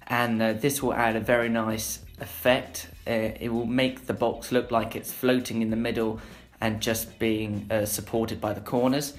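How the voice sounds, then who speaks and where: A young man narrating a woodworking build in a relaxed voice-over, with frequent filler sounds. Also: fairly low pitch, normal speed. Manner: plain, easygoing, frequent "uh" fillers. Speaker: woodworking channel host. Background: background music.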